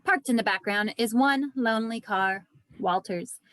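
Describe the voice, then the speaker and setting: A woman's voice: a little high, a little slow, fairly bright tone, no room sound. A woman narrator reading stage directions from a film script in an online table read. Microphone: video call.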